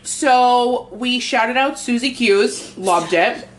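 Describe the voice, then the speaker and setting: A woman with a raspy voice co-hosting a casual podcast, swearing freely and rambling with lots of fillers. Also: on the high side, slow, rough recording. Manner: profane, rambling, filler-heavy. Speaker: podcast co-host. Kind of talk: casual chat.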